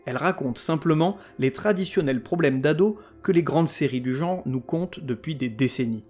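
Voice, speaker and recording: A man's voice: on the high side, normal speed, darkish tone, faint music behind. Sarcastic man ranting crudely. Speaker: podcast host. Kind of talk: scripted comic series review.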